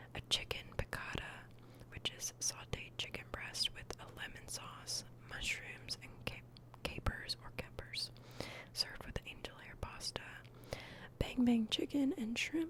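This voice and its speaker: A fairly slow whisper with noticeable background noise behind it. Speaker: ASMR creator. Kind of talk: ASMR menu reading. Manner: soft-spoken, whispery, slow, casual.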